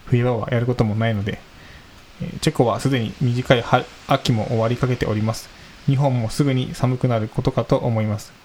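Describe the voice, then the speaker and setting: A man's voice: medium pitch, steady tone, brisk, a little mellow, rough recording. Male podcast co-host, polite and modest, mid-range voice, faint background hiss. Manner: polite, modest, laughs easily. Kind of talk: reading a listener letter and casual chat.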